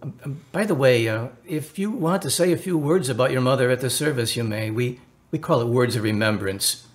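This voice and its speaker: An earnest Catholic priest in a radio drama, played by a male actor, with a medium-pitched voice. He speaks in a formal, consoling manner, a touch hesitant as he chooses his words, gently solicitous throughout. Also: brisk, natural voice. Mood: earnest, pastoral.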